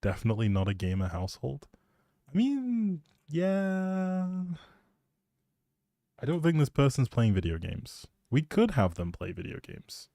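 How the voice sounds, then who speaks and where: A man chatting casually on a live game stream, informally thinking out loud as he goes. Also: mid-range voice, wildly swooping pitch, unhurried, dry recording, clean studio sound.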